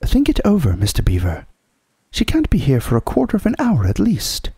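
A man's voice: fairly high pitch, wildly swooping pitch, brisk, dark tone, slightly rough, no echo, pitched above the performer's own voice, exaggerated voice. A man voicing an unflappable, practical, motherly female beaver in a storybook, fussy and homely. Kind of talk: storybook character voice.

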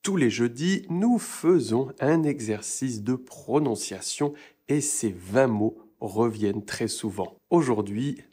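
A man teaching French pronunciation at a very slow pace, his voice neither high nor low. He stretches out and repeats each word with care so learners can follow. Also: darkish tone, husky. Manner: slow, deliberate, over-articulates words for learners. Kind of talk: pronunciation lesson.

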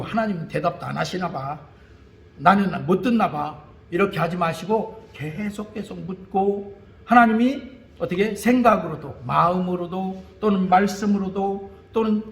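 A man from Chungcheong with a Chungcheong Korean accent, preaching a Sunday sermon in a folksy, anecdotal way, chuckling and repeating words as he goes. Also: high-pitched. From Chungcheong, South Korea. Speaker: pastor. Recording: echoey church hall.

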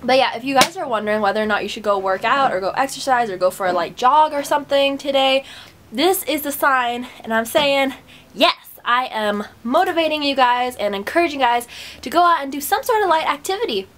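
A young woman with a slightly high voice talks close to her webcam in a small bedroom, sounding a little stuffed up after a run. She rambles along in a bubbly, encouraging way. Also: expressive, a little fast, a bit bright. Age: young adult. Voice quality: stuffy nose. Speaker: vlogger. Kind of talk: casual motivational chat to camera.

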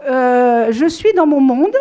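Speaking slowly and animatedly in a high voice with a dark tone, a middle-aged Frenchwoman discusses her writing at a book event. She uses a handheld mic and addresses a seated crowd in a small room, rambling with frequent fillers and restarts.

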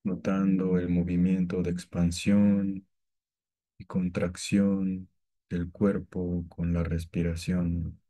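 A man guiding a meditation with calm, gentle, scripted instructions and long pauses between phrases. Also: sits low. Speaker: meditation guide.

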